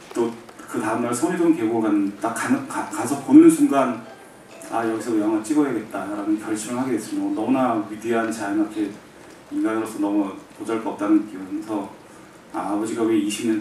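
Audible room echo surrounds the voice, along with light background noise. The man delivers his words at a moderate pace. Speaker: film director. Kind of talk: press conference Q&A answers. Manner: halting, hedging. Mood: warm, reflective. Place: hall.

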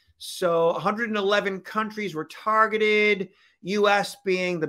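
Raising and projecting his voice, a man speaks at a high pitch with a bright, sharp tone and ordinary pitch variation. The recording is very clean, with a silent background. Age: 50s. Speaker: security expert podcast host. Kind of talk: casual chat.

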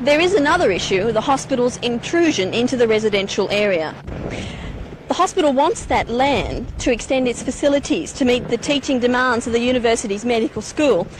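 Noticeable background noise sits behind a woman with a high voice who talks at a fairly quick pace in a dry, echo-free sound. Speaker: TV news reporter. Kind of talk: news report piece to camera. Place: street. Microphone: handheld.

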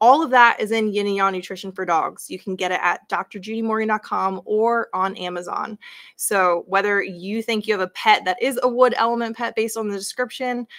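At a fairly quick pace with hardly any pauses, a woman speaks with ordinary pitch variation against a quiet background. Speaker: presenter. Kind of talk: informational talk. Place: home room.

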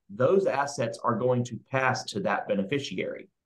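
A man with a North Carolina accent speaks at a fairly slow pace and a medium pitch. His voice is somewhat breathy against a quiet background. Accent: Southern US (North Carolina). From US South, North Carolina (Mount Airy). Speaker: estate planning attorney. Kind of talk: webinar presentation. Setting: video call. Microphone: webcam.

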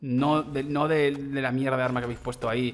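A man speaks with a Spanish accent at a medium pitch. His tone is bright and sharp. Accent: Peninsular Spanish. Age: 30s. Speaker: gaming youtuber. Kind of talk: gameplay commentary. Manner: animated.

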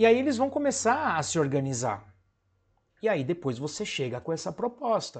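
Over a quiet background, a man's fairly high pitch swings very wide. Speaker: geography teacher and educational YouTuber; geography teacher, educational YouTuber. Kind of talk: tutorial. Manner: casual, conversational. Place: home room.

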